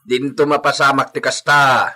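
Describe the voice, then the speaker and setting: A man's voice: mid-range voice, fairly even intonation, normal speed, sharp tone. Reckless young farmhand, cocky and dismissive, mid-range voice a man plays him. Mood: defiant. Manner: brash, dismissive retorts. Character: young male worker, defiant and reckless. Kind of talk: amateur audio drama acting.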